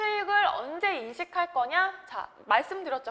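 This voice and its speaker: A woman speaks at a moderate pace in a raised, projected voice with a bright, sharp tone and very wide pitch swings. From provincial Korea (outside Seoul). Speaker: accounting instructor. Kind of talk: lecture.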